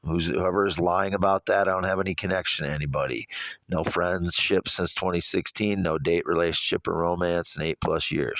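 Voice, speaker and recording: A middle-aged man with a Midwestern American accent and a gravelly, allergy-congested voice, rambling through a personal monologue in a halting, repetitive way. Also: low-pitched, pushed and bright, no room sound. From Iowa, United States. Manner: halting, repetitive, self-correcting.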